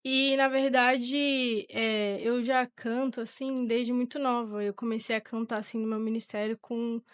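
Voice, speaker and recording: A seventeen-year-old woman with a Brazilian accent giving a personal testimony in an informal, halting way as an interview guest. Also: on the high side, steady tone, smooth, no echo, studio quality. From Portugal, born to a Brazilian family. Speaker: podcast guest, young church singer.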